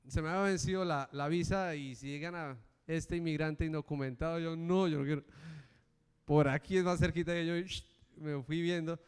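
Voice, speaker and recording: A middle-aged male preacher giving a sermon and telling a personal story with animated, acted-out voices. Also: a little high, smooth. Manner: animated storytelling, acting out the characters. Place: church. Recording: reverberant church hall.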